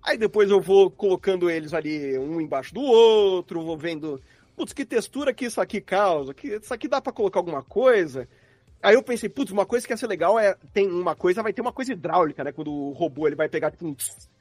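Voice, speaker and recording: His voice high, expressive and a little mellow, a Brazilian-accented man speaks fast as a guest sound designer. He explains his craft casually in an interview, acting out his thinking. No echo is present.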